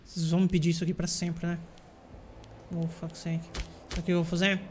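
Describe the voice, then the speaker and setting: A gameplay streamer with a Brazilian Portuguese accent talks casually to himself and his viewers while playing a strategy game, with bursts of exasperation. His voice is a little high and monotone, fairly quick, with slight background noise.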